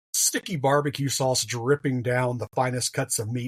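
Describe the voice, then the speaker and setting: A man's put-on character voice at medium pitch, dry and close with no echo. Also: moderate pace. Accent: strong Southern US. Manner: descriptive.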